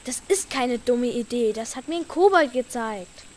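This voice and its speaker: High-pitched mischievous little princess played by a woman. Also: lively intonation, normal speed, a little mellow, slight background noise, lightly acted. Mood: defiant. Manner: pouting, feigned innocence. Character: mischievous little princess, defiant young daughter. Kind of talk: audio drama acting.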